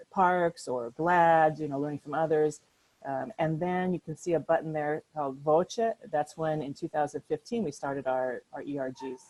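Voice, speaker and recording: Middle-aged American woman, deep and warm, loose talk with fillers, presenting on a video call from home. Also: rough recording. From United States. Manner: conversational, hesitant restarts with many fillers. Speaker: workshop speaker. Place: apartment at home.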